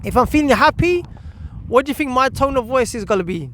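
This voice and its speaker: High-pitched man giving an instructional talk. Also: expressive, fairly quick, a bit bright, slight background noise. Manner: emphatic repetition with rhetorical questions. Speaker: parenting coach presenting a video.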